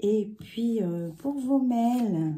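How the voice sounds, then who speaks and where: Somewhat breathy, a woman speaks in a dark, mellow tone with ordinary pitch variation. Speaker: tarot card reader. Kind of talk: card reading. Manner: hesitant.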